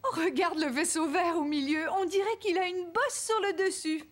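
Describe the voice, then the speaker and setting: A woman playing a gentle, cheerful, affectionate young mother in a children's cartoon. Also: very high voice, moderate pace. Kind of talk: animated children's cartoon acting.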